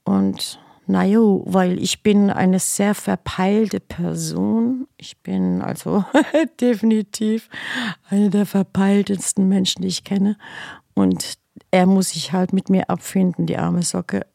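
A woman in her fifties, from Germany, speaks slowly about her own life and pokes fun at herself. Her voice is dark and deeply gravelly, recorded dry and close. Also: steady tone, no room sound. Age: 50s. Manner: self-mocking, laughs at herself. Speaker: interview guest. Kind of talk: casual personal account.

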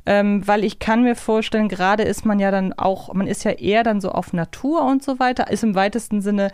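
A woman with a clean, resonant voice at a medium pitch talks casually as a podcast co-host. She reasons things through aloud, often rephrasing herself. The sound is dry, with hardly any room on it. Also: steady tone, brisk, darkish tone, smooth, dry recording. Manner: reflective, hedging, thinking aloud with self-corrections. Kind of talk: casual analytical podcast chat.

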